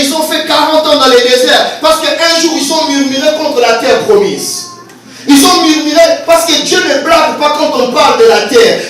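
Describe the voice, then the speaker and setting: A middle-aged pastor from Congo preaches in a very high voice, leading his listeners in call-and-response. The sound carries a heavy hall echo, with the microphone some distance away. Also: a bit bright, a little hiss or hum. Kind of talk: sermon. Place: event hall.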